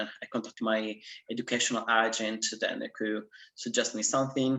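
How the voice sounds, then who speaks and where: A man is speaking. He has an Italian accent. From Italy. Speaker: student. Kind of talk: interview. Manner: halting, many fillers.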